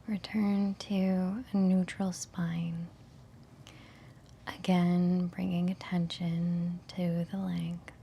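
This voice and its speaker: A woman leading a guided meditation in a soft, breathy whisper, giving gentle, soothing instructions with long pauses. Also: fairly low pitch, little pitch movement, a little hiss or hum.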